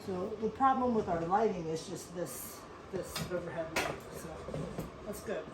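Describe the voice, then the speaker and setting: A woman's voice: fairly low pitch, moderate pace. A woman from Western Pennsylvania hosting a casual cooking demonstration, chatty and instructive, with frequent asides. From Western Pennsylvania, USA. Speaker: cooking show host. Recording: echoey room with clear background noise.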